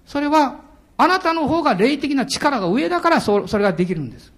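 High-voiced animated male preacher. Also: fast talker. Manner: animated preaching with laughter and shouted hallelujahs. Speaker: pastor. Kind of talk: sermon.

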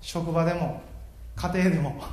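A man preaching a sermon as pastor in a church, animated and joking with the congregation. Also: fairly high pitch, measured pace, roomy sound.

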